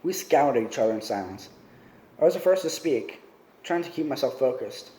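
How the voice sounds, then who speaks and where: A man's voice: mid-range voice, expressive, a little fast, dark tone, roomy sound. Man reading a novel aloud casually. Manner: chatty, self-correcting reading. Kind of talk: casual read-aloud with asides.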